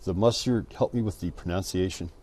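Very deep voiced guy gushing about food, keeps restarting sentences. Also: a little fast, darkish tone. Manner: enthusiastic, restarts often. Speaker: show panelist. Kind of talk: restaurant review chat.

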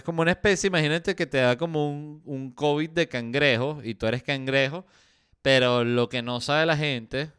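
Smooth-voiced Venezuelan man joking on a podcast. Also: medium pitch, a bit bright, no room sound, studio quality. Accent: Venezuelan Spanish. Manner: joking, acts out quoted voices, lots of fillers. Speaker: podcast host. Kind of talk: casual comedic podcast chat.

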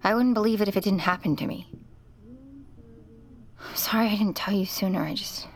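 An actress playing a weary mother who works at a hospital and narrates her story in a halting, strained way. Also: mid-range voice, lightly acted. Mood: tense. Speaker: narrator and lead character. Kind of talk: audio drama acting with narration.

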